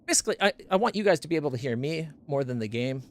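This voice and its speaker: Rapid-fire and expressive, this man has a fairly high voice for a guy and admits it isn't naturally deep. On a game stream at home, close to a studio condenser mic, he rambles about his gear, corrects himself, and stumbles over names, with a little hiss or hum in the background.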